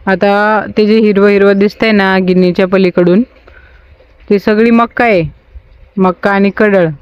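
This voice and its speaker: A woman's voice: mid-range voice, no echo. Chatty village woman, vlogging outside her farmhouse on a phone, kinda muffled sound, animals in the background. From Ahilyanagar district, Maharashtra, India. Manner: chatty, homely, talks to the viewers and her animals. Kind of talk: casual vlog narration.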